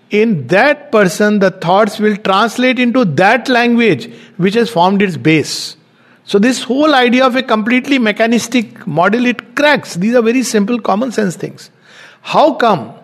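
A man giving a spiritual teaching talk, explaining his points step by step. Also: sits high. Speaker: spiritual lecturer.

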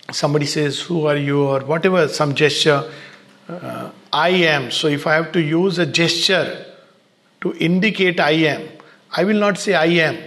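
A man giving an unhurried spiritual talk in short, pausing phrases. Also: on the high side, a bit bright. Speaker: spiritual speaker.

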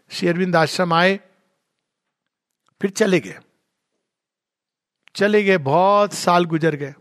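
A man giving a spiritual talk, telling a story from his work as a doctor and switching between Hindi and English. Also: sits high. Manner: storytelling, mixes in English phrases. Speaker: spiritual speaker.

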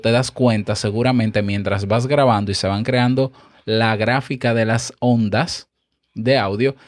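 Male podcast instructor, mid pitch, animated explainer, dead-dry close-mic sound. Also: no echo. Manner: animated, explanatory, checks in with the listener often. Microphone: close studio microphone with compressor.

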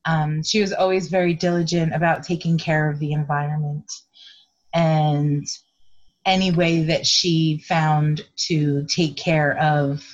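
A middle-aged woman with a notably low voice, reflecting in a hesitant, thoughtful way, pausing often. She comes through a dull, lo-fi remote line. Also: flat delivery. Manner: hesitant, thoughtful, many ums. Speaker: guest, activist. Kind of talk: conversational interview.

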